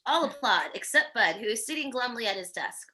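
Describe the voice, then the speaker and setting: A woman's voice: a little high, animated, a little fast, sharp tone. A woman narrating the stage directions of a screenplay at a table read.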